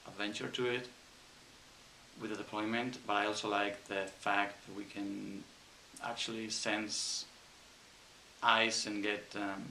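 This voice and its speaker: A man with a Spanish accent answers interview questions, pausing often to think. His low voice is gravelly but bright in tone. The room sounds echoey, with a faint hiss behind him. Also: flat delivery. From Spain. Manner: thoughtful, hesitant with many ums. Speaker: engineer.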